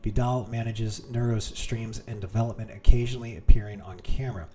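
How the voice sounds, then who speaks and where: A man's voice: lowish voice, steady tone, a little fast, mellow, a little hiss or hum. A man streaming from home, reading aloud with amused reactions, with keyboard clicks nearby. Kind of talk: casual streaming commentary.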